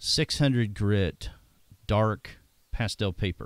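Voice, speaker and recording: In a dry recording with no echo and a quiet background, a man speaks at a fairly low pitch. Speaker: art instructor. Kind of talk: tutorial. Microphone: studio mic.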